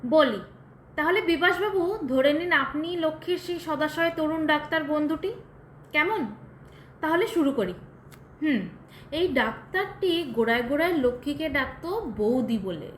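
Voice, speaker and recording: Roomy echo, faint noise, actress as composed female storyteller, high voice, conversational, inviting, radio play. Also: moderate pace, natural voice. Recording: echoey room, faint background noise.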